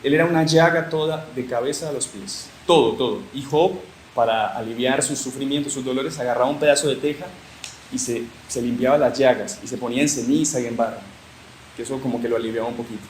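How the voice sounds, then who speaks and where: A man with a Uruguayan accent gives a teaching talk, retelling scripture as a lively storyteller with joking asides. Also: medium pitch, fast. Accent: Uruguayan Spanish. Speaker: religious formation speaker. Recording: echoey room with faint hiss.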